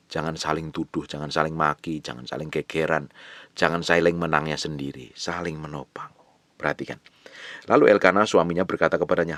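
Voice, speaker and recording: A man preaching a sermon, repeating phrases for emphasis and swinging from loud surges to hushed asides. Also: very deep voice, dry recording. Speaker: pastor.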